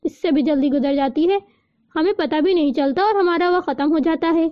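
A caring young student comforts her friend in a gentle, reassuring voice, played by a woman narrator. The voice sits high, in a dry and slightly dull recording. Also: no room sound, natural voice.

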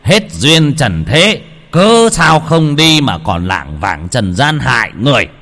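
A man voicing a stern older village shaman who speaks slowly and commandingly. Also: medium pitch, very animated, sharp tone, pitched above the performer's own voice, full character voice. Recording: long hall reverb, faint music.

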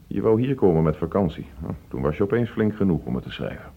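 A man acting a frustrated divorced father in a Dutch radio play, reproachful and emotional, halting when upset. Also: low-pitched, sing-song, breathy edge, exaggerated voice. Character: frustrated divorced father pleading with his teenage son. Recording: dull, muffled old radio play recording.

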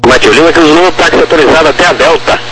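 A man's voice: a little high, quick pace, rough recording. A Brazilian man giving procedural instructions as a ground controller over air traffic radio. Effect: air traffic radio transmission.

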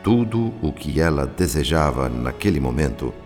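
A man's voice: very deep voice, sing-song, moderate pace. A man with a Brazilian accent narrating a radio drama in a solemn, formal, literary manner. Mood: solemn, grave. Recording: long reverb, soft music behind.

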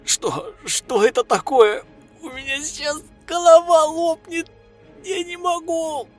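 A man voicing a young woman who is heartbroken and angry, with a high, strained delivery. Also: measured pace, slightly rough, soft background music. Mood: panicked. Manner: high, strained pleading and shouting. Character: young woman, tearful then panicked and angry.

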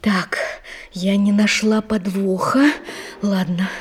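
A woman's voice: mid-range voice, little pitch movement, takes it slowly, slightly rough, faint music behind. An actress playing a plucky, penniless but educated young woman in an audio drama. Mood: excited, musing. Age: young adult. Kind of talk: theatrical audio drama acting.

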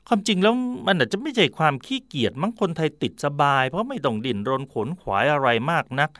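A man's voice: on the high side, fairly bright tone, no room sound. Thai man chatting on history, dry. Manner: chatty, explaining with examples. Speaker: radio host. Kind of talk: casual educational talk.

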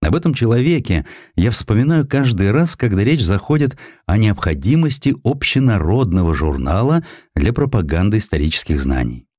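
A man reading a scripted historical sketch as an audiobook narrator, in with an expressive, theatrical storytelling delivery. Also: lowish voice, moderate pace, dry recording, clean studio sound. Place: studio.

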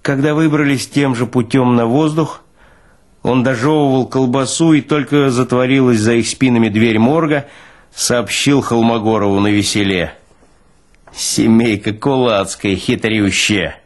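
A man's voice: medium pitch, moderate pace. A man narrating literary fiction in a dramatic, performed reading style.

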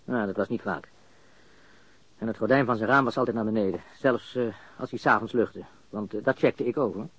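A man's voice: fairly low pitch, brisk, a bit bright, breathy edge, no echo, low-quality recording. Jittery, cocky male suspect confessing. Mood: confiding. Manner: stammering, repetitive, swearing. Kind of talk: radio drama acting.

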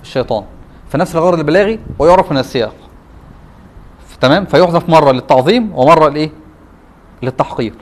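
Fast-talking Egyptian teacher quizzing students. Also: male voice, on the high side, animated. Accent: Egyptian Arabic. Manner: quizzes students with repeated rhetorical questions. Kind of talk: classroom lecture.

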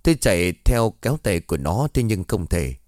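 A man's voice: sits low, sing-song, brisk, darkish tone, dry recording, studio quality. A man narrating a horror story in the first person, telling it dramatically.

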